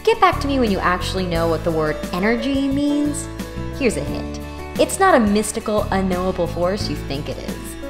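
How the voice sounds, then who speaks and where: Snarky broke college girl played by an actress, audio drama narration, wry, self-deprecating, swooping lively pitch, long reverb, music behind. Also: normal speed, lightly acted. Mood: sarcastic, irritated. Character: snarky, exasperated 24-year-old woman, broke college student.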